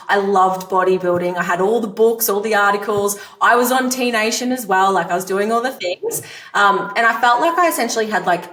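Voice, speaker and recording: A woman's voice: mid-range voice, a bit bright, distant mic. A woman in her thirties from Australia with a rural Australian accent, a coach chatting as a podcast guest in an upbeat, explanatory way. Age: 30s. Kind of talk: podcast interview conversation.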